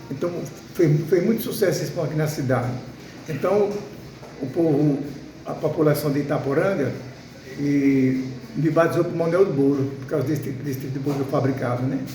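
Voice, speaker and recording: Speaking at a fairly quick pace with long, frequent pauses, a man uses a fairly high pitch and ordinary pitch variation amid noticeable background noise and audible room echo. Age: 70s. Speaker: baker and bakery owner. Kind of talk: interview. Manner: halting, repeats words.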